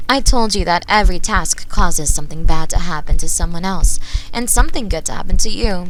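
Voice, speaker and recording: A woman voicing a sinister, manipulative seer, speaking calmly and slowly with a soft, partly whispered voice into a binaural mic. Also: on the low side, a little hiss or hum, rough recording. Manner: calm, slow and coolly menacing.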